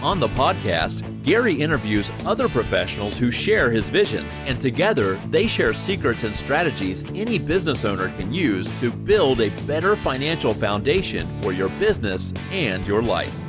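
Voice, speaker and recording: A man's voice: mid-range voice, big pitch swings, moderate pace, hardly any pauses. Male announcer over guitar music. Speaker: show announcer. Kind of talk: scripted show intro.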